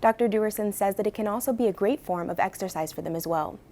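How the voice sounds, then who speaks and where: An American woman delivers a live TV news report. Her voice sits at a middle pitch, and she reads in a polished, emphatic newsreader style. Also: quick pace, mellow.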